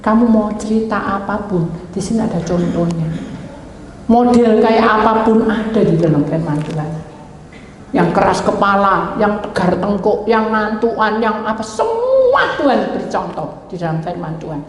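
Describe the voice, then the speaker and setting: A woman's voice: mid-range voice, animated, moderate pace, a little hiss or hum. A middle-aged woman pastor, preaching a sermon in a conversational, emphatic way. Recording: echoey hall with faint ambience.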